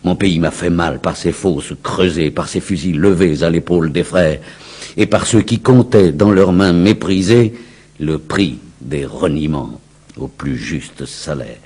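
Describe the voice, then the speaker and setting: A man recites verse in a remarkably deep, husky register. His delivery is slow and solemn, each phrase declaimed with grave dramatic weight. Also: a little mellow. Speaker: poetry reciter.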